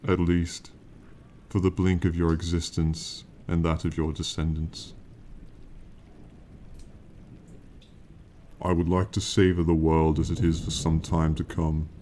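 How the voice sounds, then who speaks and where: A man voicing an ancient, proud male dragon in an ASMR fantasy roleplay, speaking slowly and formally with lofty, condescending yet fond authority. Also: low voice, flat delivery, dark tone, a little hiss or hum, close to an everyday voice. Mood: lofty, calm. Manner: slow, formal, lofty, archaic phrasing.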